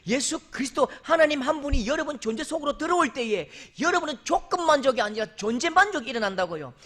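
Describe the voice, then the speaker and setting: A man's voice: very high voice, expressive, fast talker. Emphatic preacher, man. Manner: emphatic, swings from loud exclamations to soft asides. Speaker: pastor. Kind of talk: sermon. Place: church sanctuary.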